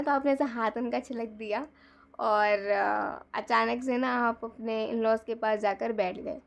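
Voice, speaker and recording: Chatty woman tarot reader, lively. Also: on the high side. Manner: chatty, animated, acts out quoted lines, laughs often. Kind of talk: casual storytelling tarot reading.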